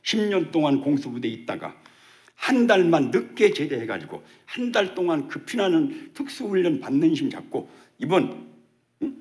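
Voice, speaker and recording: A man's voice: a little high, big pitch swings, moderate pace. An older man, a church elder, preaching a testimony sermon at a church service and acting out dialogue as he tells his story.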